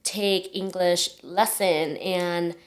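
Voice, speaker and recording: A woman's voice: fairly low pitch, steady tone, extremely slow. A woman from Cambodia with a Southeast Asian accent, telling her story casually as a podcast guest in non-native English with simplified grammar. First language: Vietnamese or Khmer.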